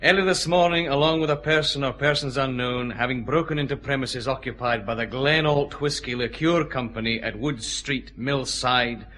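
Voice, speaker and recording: An actor playing a firm, methodical police chief inspector, questioning a suspect in a vintage radio drama. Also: male voice, medium pitch, a bit bright, lightly acted. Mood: stern. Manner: brisk, methodical, dry authority.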